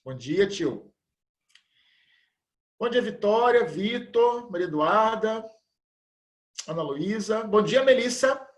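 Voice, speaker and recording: A man's voice: high-pitched, animated, slow pace, pauses often. A man teaching a school class over a video call, greeting students one by one and joking around. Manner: playful, jokey, greets everyone by name. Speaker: biology teacher. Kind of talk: casual online class chat.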